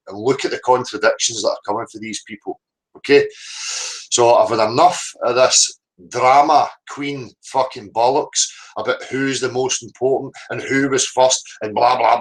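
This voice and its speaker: Scottish guy doing a fired up livestream monologue, medium pitch, sweary, pushy, keeps saying right?. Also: rough recording. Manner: impassioned, blunt, heavily sweary; confrontational, insistent, tagging points with "right?". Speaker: livestream host. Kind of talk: unscripted monologue rant.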